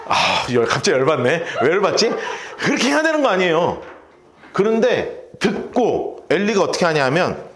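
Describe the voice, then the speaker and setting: A man's voice: high voice, moderate pace. A male pastor giving a Bible study sermon in a church, casual and colloquial, often acting out little scenes. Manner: lively, colloquial, acts out scenes.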